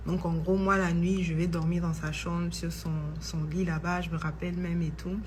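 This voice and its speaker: Lady vlogging her testimony, lowish voice, chatty, faint hiss behind. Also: normal speed. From Ivory Coast. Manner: chatty, mixes in English phrases, grows excited. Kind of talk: casual testimony vlog.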